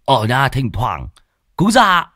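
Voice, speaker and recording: A man voicing a cheeky young male apprentice who teases his master in a high, giggly voice. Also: wildly swooping pitch, takes it slowly, bright, forceful tone, no echo, clean studio sound, exaggerated voice. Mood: mocking. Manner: teasing, giggly.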